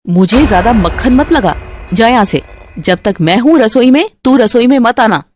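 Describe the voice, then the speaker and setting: A woman's voice: on the high side, expressive, moderate pace, a little mellow, dry recording. A woman voicing a harsh middle-aged mother-in-law who scolds curtly. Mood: scolding. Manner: curt and scolding.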